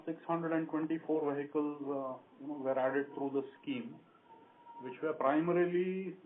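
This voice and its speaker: A higher-pitched man with an Indian accent explains company business on a conference call. He is measured and hesitant. The sound is narrow telephone audio with faint noise. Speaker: company executive answering analysts.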